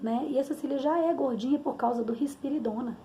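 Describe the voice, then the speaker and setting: There's a little hiss or hum as a middle-aged woman with a Brazilian Portuguese accent speaks in a high, brisk, warm voice. Recounting a personal story as a mother, she rambles openly and tags many sentences with questions.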